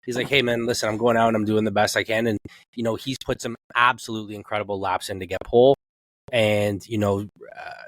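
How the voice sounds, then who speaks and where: A man's voice: fairly low pitch, fairly even intonation, fast, a bit bright, poor audio. A man co-hosting a podcast, chatting casually about sports in a colloquial, rambling way and slipping into imagined quotes. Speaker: podcast co-host.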